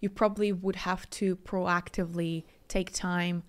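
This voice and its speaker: A calm woman with a slightly low voice hosts a podcast in a small studio. She asks thoughtful, probing follow-up questions. She is recorded close on a boom-arm mic. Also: a little slow. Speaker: podcast host. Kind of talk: casual interview talk. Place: small bright studio room with a window. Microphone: boom-arm podcast microphone.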